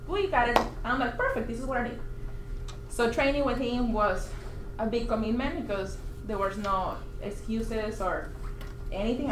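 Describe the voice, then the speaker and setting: A woman from Puerto Rico telling a personal story at a team meeting, chatty and animated, acting out quoted remarks. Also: fairly high pitch. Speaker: interviewed agent. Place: office meeting room. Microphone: far room camera. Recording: echoey room, faint hiss.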